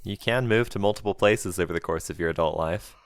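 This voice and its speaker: Very deep-voiced man, dry and deadpan. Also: a little fast, smooth, dry recording. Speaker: podcast co-host. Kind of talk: casual chat.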